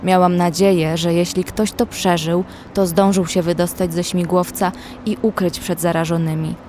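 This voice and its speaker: An actress playing a young woman who survives an apocalypse, narrating in a measured, literary way as an anxious observer. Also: fairly low pitch, flat delivery, a little mellow, slight background noise, natural voice. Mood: measured, uneasy. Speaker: narrator and actress in audio drama. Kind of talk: scripted first-person horror story narration. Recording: music under the voice.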